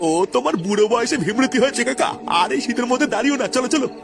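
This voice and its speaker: A man playing a brisk younger village man in a comedy cartoon, colloquial, with a pitched-up voice. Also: vocal fry, over loud music. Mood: dismissive. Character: younger village man hurrying his uncle along, cartoon. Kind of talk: exaggerated comedy cartoon acting.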